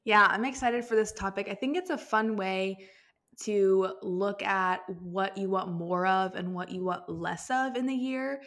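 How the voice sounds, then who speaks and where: A woman from the American Midwest co-hosts a lifestyle podcast. She sounds bubbly and enthusiastic at a middle pitch. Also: unhurried, fairly bright tone. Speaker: podcast co-host. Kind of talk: casual chat.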